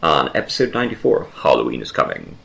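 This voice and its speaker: Deep-voiced chatty podcast host. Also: male voice, huge pitch swings, fast, creaky, a bit bright. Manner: upbeat and chatty, laughs easily. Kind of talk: casual chat.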